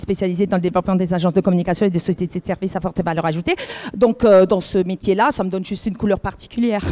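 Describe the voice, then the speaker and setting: A woman's dark, mellow voice at medium pitch with a strong Alsatian accent, a very fast pace and fairly even intonation. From Alsace, France (village south of Strasbourg). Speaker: comedian. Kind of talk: interview.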